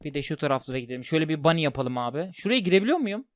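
A man commentating a horror game as he plays, talking to his viewers and jumping into loud yelps when scared. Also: on the high side, very animated, racing, no echo. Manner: talks to viewers while playing, jumpy and loud when scared. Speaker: gaming streamer.

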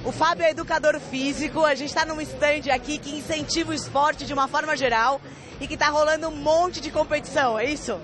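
A woman's voice: high voice, fairly even intonation, fairly quick. A young woman reporting from a busy indoor sports fair, bubbly and full of compliments, holding a handheld mic. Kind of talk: on-the-spot fair interview. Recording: noisy expo hall with music and crowd. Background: crowd and music.

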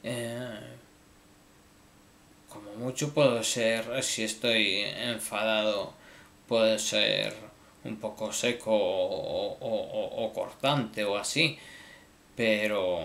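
Gravelly, halting Spaniard apologizing. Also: male voice, fairly low pitch, fairly bright tone. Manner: halting, repeats words, swears casually. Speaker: video creator. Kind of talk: casual apology to viewers.

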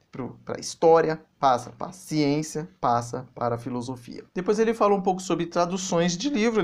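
A man in his thirties commenting on a book in a casual video, explaining with animation. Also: fairly high pitch. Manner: animated, gestures while explaining. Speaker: channel host reviewing a book. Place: small office indoors.

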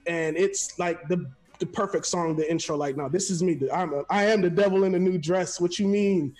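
Young guy from florida on a headset at home, laughs a lot, high pitched, chatty. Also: normal speed. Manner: animated, laughs often, rambling storyteller. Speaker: guest. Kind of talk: casual video call chat. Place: living room at home.

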